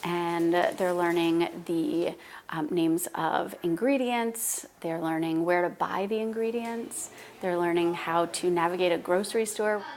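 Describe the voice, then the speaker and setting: A woman's voice: fairly low pitch, fairly even intonation, measured pace, a little mellow, slight background noise. A woman coordinating a cooking-based English program, speaking earnestly about her students. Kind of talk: interview.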